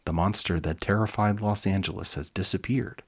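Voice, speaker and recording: A man's voice: low voice, fairly even intonation, moderate pace. A man voicing a solemn television newscaster in a children's storybook, formal and reportorial.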